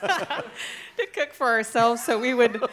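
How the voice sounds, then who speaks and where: A woman raised in Indonesia, a guest who recalls old times brightly as she speaks. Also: fairly high pitch, measured pace. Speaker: interview guest.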